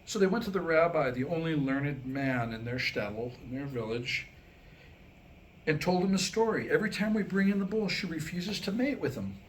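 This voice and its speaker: A man's voice: fairly high pitch, lively intonation, moderate pace. A man telling Jewish jokes to a small live gathering as a storyteller, acting out the dialogue. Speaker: joke teller at a staged script reading. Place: live staged reading in a room. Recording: noisy live room recording.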